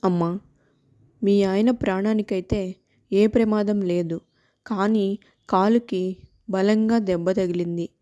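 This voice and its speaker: A woman voicing a calm male doctor who explains matter-of-factly and reassures. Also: medium pitch, slow pace, pauses often, no echo, highs cut off, natural voice. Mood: reassuring.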